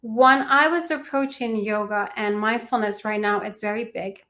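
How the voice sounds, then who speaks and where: A woman's voice: on the high side, steady tone, normal speed, bright, forceful tone. Earnest reflective woman from Peru. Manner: earnest, reflective, with restarts and small laughs. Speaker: mindfulness teacher, guest. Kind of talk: conversational interview answers.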